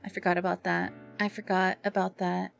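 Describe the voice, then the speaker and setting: A woman's voice: on the low side, little pitch movement, brisk, vocal fry, faint music behind. A woman hosting a livestream in casual, chatty talk with self-deprecating grumbling, speaking into a streaming mic. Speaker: livestream host.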